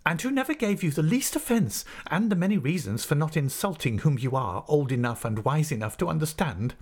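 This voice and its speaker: An anguished schoolmaster from a storybook acted out by a man reading aloud. His voice rides high and swoops with indignation. He is formal and tremulous, tripping over words as he clings to his dignity. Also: very animated, fairly quick, a little mellow. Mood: indignant, wounded. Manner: agitated, stammering, formal. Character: anguished adult male schoolmaster, indignant, trembling, wounded dignity.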